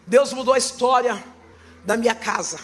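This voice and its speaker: A woman pastor giving her testimony in church, her fervent preaching swelling into loud proclaiming. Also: on the high side, normal speed.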